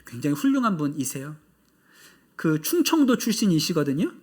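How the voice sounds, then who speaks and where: Male pastor, sermon delivery, high pitch, earnest and conversational. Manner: earnest and conversational, repeating key phrases for emphasis.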